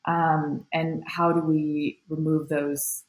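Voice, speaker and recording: A woman's voice: deep voice, flat delivery, slow, echoey room, rough recording. A young woman from Taiwan, a nonprofit founder, talking reflectively as a podcast guest with many fillers. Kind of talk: podcast interview.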